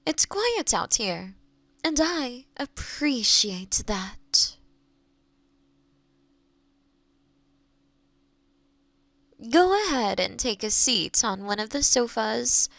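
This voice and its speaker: A woman playing a kind, playful young witch who lives alone in the forest, speaking gently and teasingly to the listener in a roleplay audio drama. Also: a little high, sing-song, creaky, no room sound, full character voice. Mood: cheerful, cosy. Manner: gentle, unhurried, teasing, with soft chuckles.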